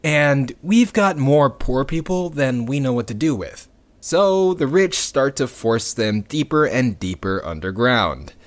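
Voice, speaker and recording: Male actor as bitter rebel narrator for sci-fi audio drama: sardonic, unhurried, widely swinging intonation. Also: mid-range voice, lively intonation, close to an everyday voice. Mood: sardonic, resigned. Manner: sardonic, sweary, dramatic pauses and emphasis. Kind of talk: audio drama monologue addressed to listeners.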